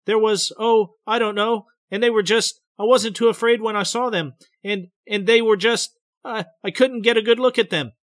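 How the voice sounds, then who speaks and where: A man voicing a frightened woman who relives a memory under hypnosis, speaking between sobs in a halting, stammering, breathless way. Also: high-pitched, fairly bright tone, no room sound, studio quality, pitched above the performer's own voice. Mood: trembling. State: sobbing.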